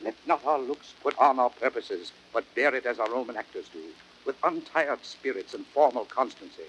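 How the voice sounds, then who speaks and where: A man playing a grave, high-minded Roman nobleman, speaking in a solemn, measured, oratorical Shakespearean style. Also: fairly bright tone, close to an everyday voice, low-quality recording. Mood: composed. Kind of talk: classic Shakespearean radio acting, oratorical. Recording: hissy old audiodrama record.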